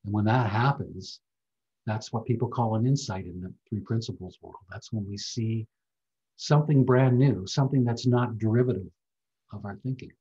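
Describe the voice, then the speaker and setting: An older man giving a reflective talk on a video call, speaking softly and gently. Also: fairly low pitch, dull audio. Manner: soft-spoken, slow and gentle. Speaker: guest speaker.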